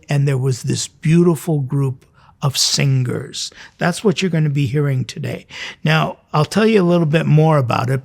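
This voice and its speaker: This priest hosting a church programme has a fairly high, gravelly voice. He speaks casually and conversationally, explaining matters directly to the people watching.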